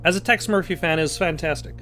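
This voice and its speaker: Man, fairly high voice, casual let's play host, halting, thinking aloud, music in the background. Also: a bit bright. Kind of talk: casual, improvised gameplay commentary.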